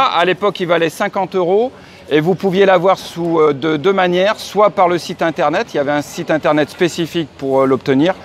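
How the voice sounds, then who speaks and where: A man's voice: fairly high pitch, a little hiss or hum. A man narrating a casual on-location vlog, hesitating often with fillers and restarts. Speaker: vlogger and expat coach.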